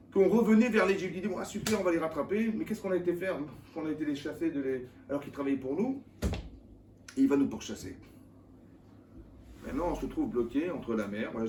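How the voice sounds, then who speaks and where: Male rabbi, informal Torah class, animated, keeps quizzing the audience; roomy, distant recording. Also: mid-range voice. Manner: colloquial and animated, firing rhetorical questions at listeners. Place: lecture room with live audience. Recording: echoey room, mic at a distance, faint background noise.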